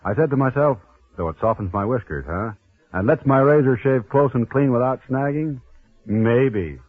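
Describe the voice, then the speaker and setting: A man's voice: mid-range voice, normal speed, slightly rough, no room sound, lightly acted. A man playing a satisfied golfer reading a folksy, scripted testimonial letter in a 1940s radio ad. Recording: tinny, lo-fi vintage radio recording.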